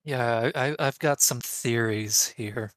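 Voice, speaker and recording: Casting: unhurried player, close dry sound, terse replies on a call. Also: mid-range voice, no room sound. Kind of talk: casual tabletop play. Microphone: remote voice call.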